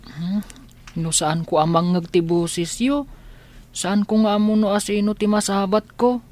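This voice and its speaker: A gentle blind young man, acted by a woman, asking soft, curious questions. His voice sits at a medium pitch for a woman. This is a radio drama. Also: steady tone, unhurried, lightly acted.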